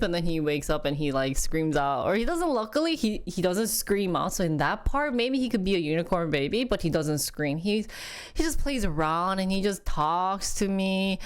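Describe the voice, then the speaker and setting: A woman in her thirties chatting casually to viewers, rambling and animated, acting out her baby's noises. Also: medium pitch, clear, resonant tone. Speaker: vlogger talking about her baby.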